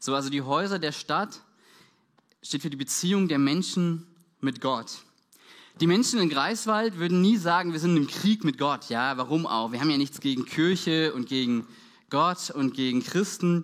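With an unremarkable speaking voice, a man talks at a fairly high pitch and moderate pace with ordinary pitch variation, on a very clean recording with a silent background. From Saxony, Germany. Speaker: pastor. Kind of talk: sermon.

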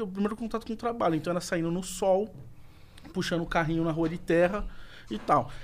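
The talking goes at a very fast pace with ordinary pitch variation. Noticeable background noise is present. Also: man. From São Paulo (Itaquera), Brazil. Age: 30s. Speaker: investment firm founder. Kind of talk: casual chat.

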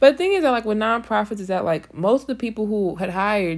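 A woman speaks in an animated tone. Her pitch swings very widely. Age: 20s. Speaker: solo podcast host. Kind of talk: casual monologue. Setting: home recording during quarantine.

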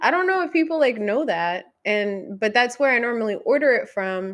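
On a very clean recording with a silent background, a woman with a high pitch talks at a moderate pace in an animated tone, with very wide pitch swings and hardly any pauses. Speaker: podcast host. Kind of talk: casual solo monologue.

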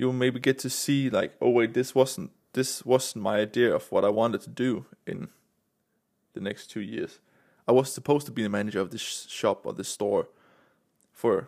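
Long, frequent pauses break up the moderate pace of a man with a Danish accent whose loudness swings widely. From Denmark. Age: 20s. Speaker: podcast host, physiotherapist. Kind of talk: solo podcast monologue, casual. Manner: halting, fumbling for words, casual.

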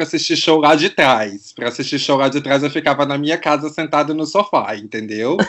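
An animated, fairly high-pitched man's voice against noticeable background noise. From Brazil, Vitória, Espírito Santo. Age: 30s. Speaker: podcast listener guest. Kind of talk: casual chat.

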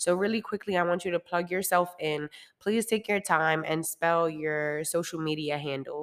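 With an American accent, a woman talks in an ordinary speaking voice, fairly low in pitch, at a moderate pace with fairly even intonation. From New York City, Harlem. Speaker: podcast host and singer. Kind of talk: casual interview chat.

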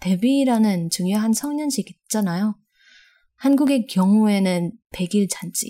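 Very slowly, a woman speaks in a dark, mellow tone with ordinary pitch variation. The recording is very clean and silent behind her, dry and close with no echo. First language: not Korean (Korean learner) (speaking Korean). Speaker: podcast co-host. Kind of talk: casual chat.

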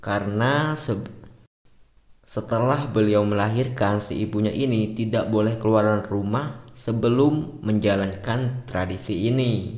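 A man speaks at a fairly slow pace in a fairly low pitch, his intonation fairly even, with audible room echo. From Java, Indonesia (Madurese-influenced). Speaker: podcast host, storyteller. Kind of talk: casual storytelling monologue. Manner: casual, conversational.

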